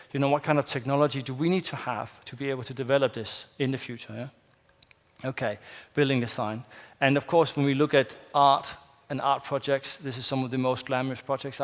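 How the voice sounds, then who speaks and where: A middle-aged man with a Danish accent, speaking English as a second language on a conference stage, hesitant with many fillers and a habitual "yeah?". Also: medium pitch. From Denmark. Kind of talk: conference talk. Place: large hotel conference hall stage. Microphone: headset or lapel mic, far camera. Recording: long hall reverb.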